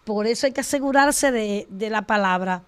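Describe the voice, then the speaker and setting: A woman's voice: medium pitch, moderate pace, smooth. A woman co-hosting a Christian talk show, speaking earnestly and emphatically as she explains her points. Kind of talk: casual faith discussion.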